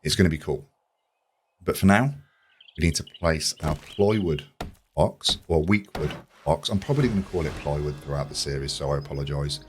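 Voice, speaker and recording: Very low male voice, slightly croaky, casual gaming commentary, chatty and enthusiastic, clear background noise with clicks. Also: moderate pace. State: slightly croaky from a sore throat. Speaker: let's play host. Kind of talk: casual video game commentary.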